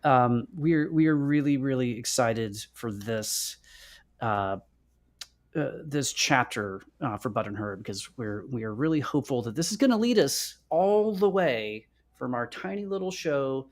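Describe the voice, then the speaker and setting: A man chats as co-host of a casual live stream, with very lively swings in pitch. His delivery is enthusiastic and playful, a little halting as he goes. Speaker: podcast co-host.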